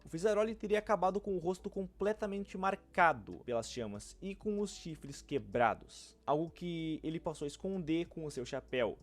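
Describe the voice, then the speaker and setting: A man with a Brazilian accent delivering scripted narration as a fan-theory video narrator. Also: high voice.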